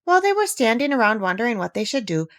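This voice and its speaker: A woman reading a children's story aloud as expressive scripted narration. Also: on the high side, quick pace, no echo, clean studio sound. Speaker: audiobook reader.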